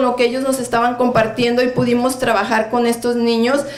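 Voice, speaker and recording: Monotone, flat intonation over noticeable background noise and audible room echo. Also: woman. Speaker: church ministry worker. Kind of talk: ministry report. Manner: fast.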